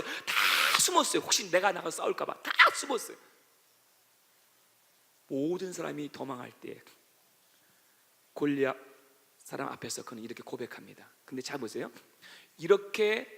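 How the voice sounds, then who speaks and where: A male pastor delivering a dramatic sermon, swinging from hushed asides to shouted climaxes, in a church sanctuary. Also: sits high, gravelly. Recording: long church hall reverb.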